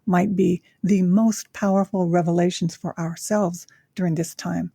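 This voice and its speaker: Low gravelly older woman, reflective. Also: steady tone, dark tone, dry recording, studio quality. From Japan. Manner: reflective, with frequent pauses and fillers. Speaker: guest. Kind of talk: casual interview chat.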